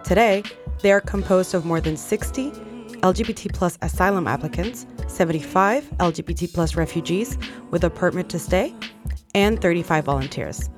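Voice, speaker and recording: A woman hosting a podcast, reading a clear, informative introduction. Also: lowish voice, lively intonation, moderate pace, over music. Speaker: podcast host. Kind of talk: scripted podcast intro and chat.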